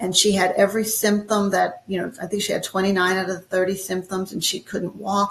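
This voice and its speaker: Somewhat breathy, a woman speaks at medium pitch. Her intonation is fairly even. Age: 60s. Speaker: business executive and author. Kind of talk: interview.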